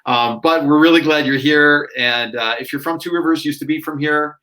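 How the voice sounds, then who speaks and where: Bright-voiced rambling male talk show co-host. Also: fairly high pitch, moderate pace. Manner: rambling, filler-heavy storytelling with frequent "like". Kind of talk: casual chat. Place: local talk show set.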